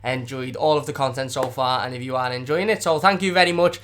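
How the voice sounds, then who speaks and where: A young man, hoarse from a sore throat, hosting a live-stream football match review in a passionate, rambling way. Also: medium pitch, fast, a bit bright, slight background noise. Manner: passionate, rambling, many repeated words. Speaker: football fan channel host. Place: at home.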